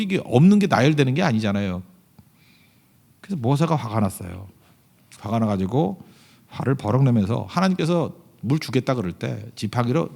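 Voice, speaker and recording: A man, a pastor, preaching a sermon in a church service in a conversational way, full of rhetorical questions, with sudden swings between loud emphatic lines and quiet asides. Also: mid-range voice, vocal fry.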